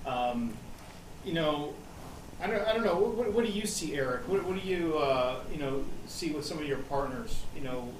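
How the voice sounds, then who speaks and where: A chatty panel host with a fairly high voice rambles through stories and asides, full of fillers. He sounds set back from the mic in a roomy studio, with steady noise behind him. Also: moderate pace. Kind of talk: casual panel talk. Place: studio room. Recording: roomy, distant and noisy.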